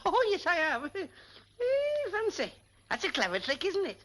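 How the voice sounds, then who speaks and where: An actor playing a naive, cheerful young mill worker, talking in an eager, gormless, giggly comic way. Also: male voice, very high-pitched, huge pitch swings, measured pace, bright, forceful tone, heavily acted. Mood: bemused.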